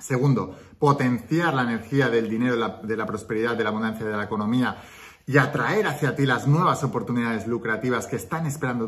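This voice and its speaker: Very fast speech from a man carries ordinary pitch variation. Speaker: self-help teacher. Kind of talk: motivational talk to camera. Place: home room. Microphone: phone near.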